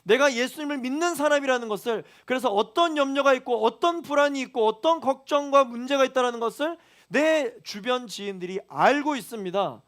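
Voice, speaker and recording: High-voiced Korean pastor preaching. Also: male voice, lively intonation, fairly quick, few pauses, a bit bright. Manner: preaching with rising emphasis and quoted prayers. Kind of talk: sermon. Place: church youth hall.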